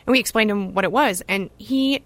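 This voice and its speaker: A woman's voice: medium pitch, a little fast, a bit bright, dry recording. A woman earnestly telling an anecdote about her outreach work. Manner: earnest storytelling.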